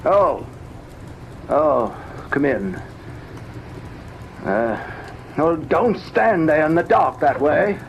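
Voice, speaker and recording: Troubled old father, slow and creaky. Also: a little high, animated, heavily acted. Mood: startled, weary. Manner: halting, stammering, defensive. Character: troubled, weary, fearful father and widower. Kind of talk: old-time radio drama acting. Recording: dull, noisy old radio recording.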